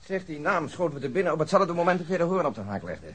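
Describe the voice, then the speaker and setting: An actor playing a modest, factual police detective in a radio drama, with a plain, unassuming manner. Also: male voice, on the high side, big pitch swings, quick pace, noisy background. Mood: matter-of-fact. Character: modest, matter-of-fact male detective with sharp memory. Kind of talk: Dutch radio drama acting.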